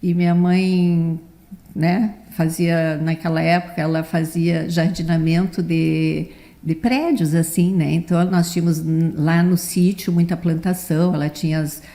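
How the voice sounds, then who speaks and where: This Brazilian theatre director in her seventies, born in Rio de Janeiro and brought up in the south, has a fairly low, warm voice with fairly even intonation and an unhurried pace. Guesting on an interview, she rambles chattily through memories of her childhood, sprinkling in frequent "né" tags as she relaxes into storytelling.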